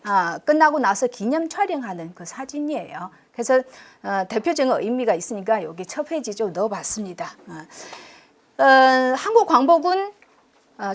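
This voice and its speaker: High, lively Chinese-accented Korean woman. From China. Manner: chatty and self-deprecating, quizzes the audience, many fillers. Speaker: university professor giving a public lecture. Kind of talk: public history lecture. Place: lecture room.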